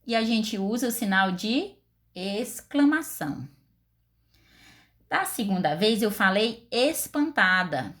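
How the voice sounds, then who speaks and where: A woman teacher with a Brazilian Portuguese accent speaks slowly and deliberately, her pitch rising and falling widely. She walks her pupils through each step and keeps asking them questions. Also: very animated, a bit bright. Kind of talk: recorded class lesson.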